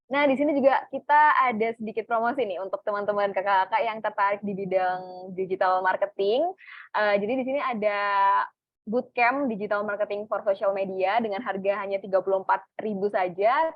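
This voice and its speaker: A woman's voice: mid-range voice, steady tone, a little fast, dry recording, muffled recording. A woman moderating a webinar, thanking speakers and announcing promotions with frequent fillers. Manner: friendly, filler-heavy, addresses audience.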